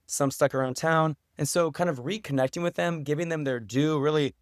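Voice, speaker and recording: An American man with a slightly high voice gives a conversational interview. He explains things earnestly, like a documentary director telling a story, and repeats phrases for emphasis. The sound is fairly dry and close. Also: fairly quick, smooth, no echo. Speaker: podcast guest, documentary director.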